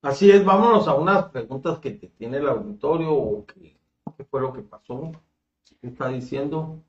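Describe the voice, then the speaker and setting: A man's voice: medium pitch, lively intonation, normal speed. An older man with a northern Mexican accent, hosting a casual interview and reading out audience comments. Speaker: interview show host. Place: small cluttered indoor room, seated at a table. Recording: roomy echo, slightly dull sound.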